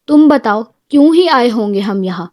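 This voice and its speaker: A woman's voice: on the high side, animated, a little mellow, dry recording, close to an everyday voice. A dramatic young man whines and pleads in a raised, sulky voice, as a woman narrator plays him. He is a storybook character who makes every small slight into a big complaint. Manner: whiny, pleading.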